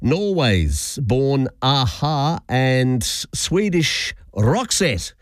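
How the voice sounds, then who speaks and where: A man's voice: medium pitch, big pitch swings, extremely slow, dry recording, studio quality. A man with an Australian accent hosting morning radio, talking casually with plenty of hesitations. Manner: hesitant, many fillers. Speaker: radio host. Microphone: studio microphone.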